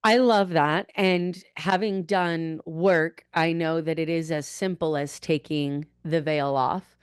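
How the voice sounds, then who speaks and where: A woman hosting a conversational interview podcast, putting questions in a deliberate, emphatic way. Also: low voice, fairly even intonation, clean tone, dry recording, studio quality. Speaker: podcast host, author.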